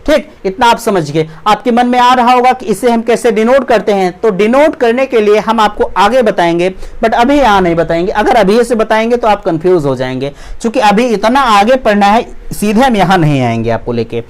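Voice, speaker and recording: A young man teaching an online exam-prep lecture. He asks rhetorical questions, repeats his points and reads list items out slowly. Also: high-pitched, animated. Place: teaching room with a marker board.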